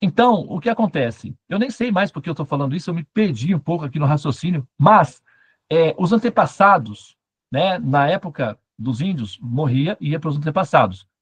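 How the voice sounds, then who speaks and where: A man's voice: fairly high pitch, expressive, moderate pace, husky. A man giving a satsang talk as a spiritual teacher, telling stories with humor and asking himself questions.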